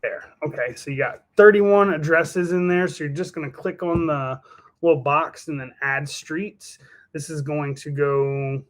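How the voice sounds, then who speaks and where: A man's voice: a little high, a little slow, a bit bright. Guy casually explaining how to do something on a computer, step by step, laptop mic in a small room. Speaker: software demonstrator. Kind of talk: casual walkthrough of a software task.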